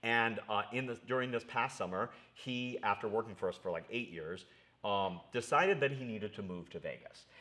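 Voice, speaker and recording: Bright, sharp tone at a moderate pace with ordinary pitch variation. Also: man, medium pitch for a man. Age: 50s. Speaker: fitness and Pilates trainer, show host; Pilates trainer, show host. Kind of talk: live Q&A show. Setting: studio. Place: studio.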